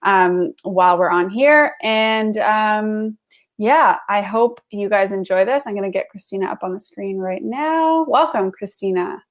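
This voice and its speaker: A woman's voice: medium pitch, unhurried. Chatty woman hosting a live video. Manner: chatty, filler-heavy. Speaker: host. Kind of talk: casual live video interview.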